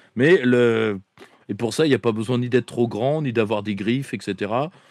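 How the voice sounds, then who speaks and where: This man speaks at medium pitch and a moderate pace with ordinary pitch variation. The recording is very clean, with a silent background. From France, Auvergne. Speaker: political commentator. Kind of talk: political commentary monologue. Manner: casual, halting with many fillers.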